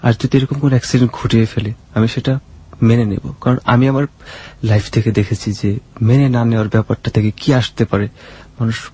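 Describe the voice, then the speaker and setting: A man with a Bangladeshi accent answering personal questions as a guest, in a plain, sincere, halting way. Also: mid-range voice, fairly even intonation, dark tone, breathy edge. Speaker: guest telling his life story. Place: radio studio.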